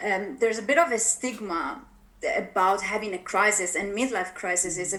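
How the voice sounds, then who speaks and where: A woman's fairly high pitch with ordinary variation, at a moderate pace, against noticeable background noise. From Italy. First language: Italian. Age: 40s. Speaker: life coach. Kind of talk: podcast interview. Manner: halting, many fillers.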